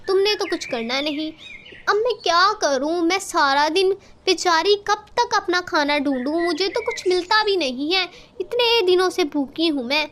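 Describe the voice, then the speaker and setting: A woman's voice: very high-pitched, expressive, normal speed, a bit bright. Woman voicing a sly hungry kite bird. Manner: sly, coaxing.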